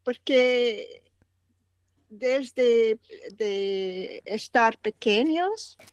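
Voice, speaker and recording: A Dutch-accented woman from Flanders speaks very slowly in learner's Portuguese, pausing and repeating as she hunts for words. Her slightly high voice sounds dry and close. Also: animated, smooth, no echo, muffled recording. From Flanders, Belgium. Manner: halting learner speech, searches for words and repeats. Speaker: student and guest caller. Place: outdoors in her garden.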